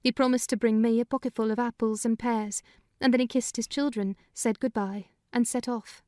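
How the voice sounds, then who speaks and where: A woman's voice: on the high side, fairly even intonation, normal speed, mellow, dry recording, clean studio sound, natural voice. A woman reading a kindly, talkative older housekeeper in a dramatized audiobook. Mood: storytelling. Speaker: narrator voicing housekeeper.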